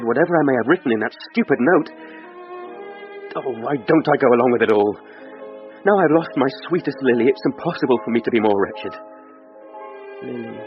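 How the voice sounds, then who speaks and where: An actor playing a lovesick young clerk who frets aloud in an anguished, self-pitying way. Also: male voice, mid-range voice, natural voice. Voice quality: anguished and fretful. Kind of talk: radio drama monologue. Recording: dull radio recording with faint music.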